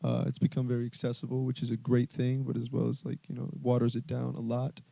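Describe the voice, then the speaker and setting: A man's very fast delivery at a medium pitch, with a dark, mellow, somewhat breathy tone and fairly even intonation. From US South, Atlanta, Georgia. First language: Spanish. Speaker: actor and musician. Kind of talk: panel Q&A. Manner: casual, many fillers.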